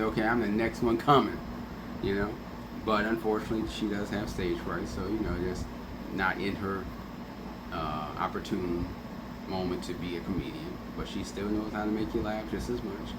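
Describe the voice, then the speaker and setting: A man's voice: fairly low pitch, background noise. A man speaking as a radio host in a casual, affectionate, conversational way, as in a heartfelt tribute. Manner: conversational, affectionate, often acting out remembered quotes. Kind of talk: heartfelt spoken tribute to a late friend, casual radio talk.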